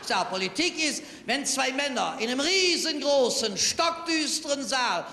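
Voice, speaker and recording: Carnival comic, Cologne accent, sharp high voice, echoing hall with long reverb. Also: male voice, lively intonation, slight background noise. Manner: tall-tale storytelling with quick punchlines. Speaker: carnival comedian. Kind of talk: carnival stage routine. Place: large carnival hall stage.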